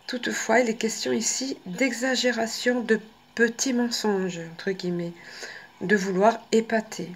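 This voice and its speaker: A woman giving a live oracle card reading, speaking softly and often slipping into a whisper as she reads each card's message aloud. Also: a little high, steady tone, a little hiss or hum. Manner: slow, soft, often drops to a whisper.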